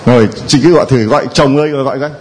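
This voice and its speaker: A man's voice: mid-range voice, very fast, darkish tone, slight background noise. A man, a Catholic priest, giving a sermon and playfully teasing members of the congregation. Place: church.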